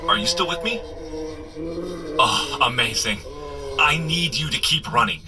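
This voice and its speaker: A man's voice: fairly high pitch, a little slow, music in the background, natural voice. A man playing a bumbling, good-hearted superhero in a comedy audio drama, coaching the listener with nervous, apologetic, rambling chatter. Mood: urgent, apologetic. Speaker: actor playing a superhero guide.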